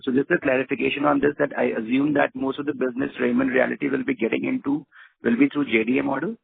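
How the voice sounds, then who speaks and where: A man's voice: medium pitch, little pitch movement, quick pace, gravelly. An Indian-accented male analyst calling in on a phone line with polite, formal questions. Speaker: caller, investment analyst. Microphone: phone call. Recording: noisy tinny phone line with clicks.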